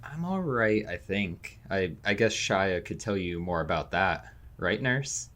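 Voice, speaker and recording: A man playing a chatty, slightly unsure college freshman in a fiction podcast, casual and halting. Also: sits low, lively intonation, fairly bright tone. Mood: eager, unsure. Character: nineteen-year-old male college freshman, chatty, excitable, unsure.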